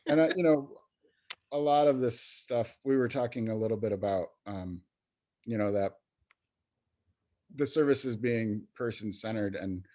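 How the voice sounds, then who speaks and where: Guesting on a podcast, this youth recovery program coordinator from New York State speaks in a warm, lowish voice, a little slow and with long pauses. He is an adult in recovery and a peer professional, and his delivery is loose and halting, with plenty of fillers and false starts.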